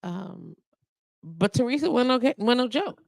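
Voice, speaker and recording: A woman's voice: on the high side, animated, measured pace, creaky, darkish tone, no room sound. A woman in her forties hosting a live radio show, talking casually and rambling with asides and laughs into a studio microphone. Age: 40s.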